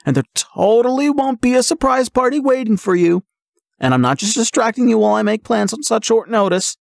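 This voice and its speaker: A man's voice: extremely high pitch, fairly quick, vocal fry, no echo, studio quality, pitched above the performer's own voice, full character voice. A man voicing an exuberant, affectionate young jock boyfriend in a playful, dramatic roleplay audio addressed to the listener. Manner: excitable, playful, theatrically dramatic.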